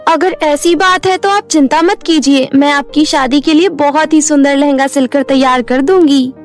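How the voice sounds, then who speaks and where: A woman voicing a modest young village girl who sews, in an animated storybook. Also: high-pitched, normal speed, faint music behind, natural voice. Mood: earnest. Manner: polite, modest and earnest. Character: sweet young village girl, humble seamstress. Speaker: voice-over artist.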